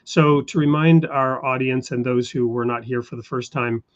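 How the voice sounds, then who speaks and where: Male interview host, measured and thoughtful, mid pitch, dull lo-fi sound. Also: steady tone. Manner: measured, thoughtful with frequent fillers. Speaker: show host. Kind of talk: interview conversation.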